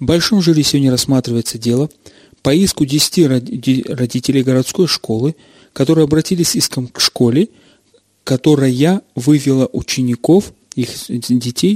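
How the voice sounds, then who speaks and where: A man with an unremarkable speaking voice talks at a moderate pace in a medium pitch, with ordinary pitch variation and a dry, close sound with no echo. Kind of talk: call-in radio show. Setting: studio.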